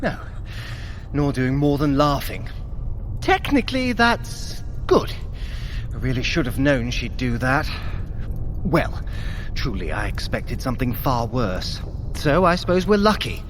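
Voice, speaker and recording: A man's voice: mid-range voice, very animated, unhurried, a little hiss or hum. An actor playing a wry, vain, scheming trickster god in an audio drama, sarcastic and fussy as he guides the listener. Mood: suspicious, fussy. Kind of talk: scripted audio drama acting, guiding the listener.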